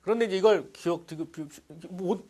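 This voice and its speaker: A man's voice: high-pitched, a little fast. A middle-aged man teaching a Korean language lesson, explaining step by step and checking in with his students as he goes. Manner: lively explaining, frequent "자" and rhetorical checks. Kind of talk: classroom lecture.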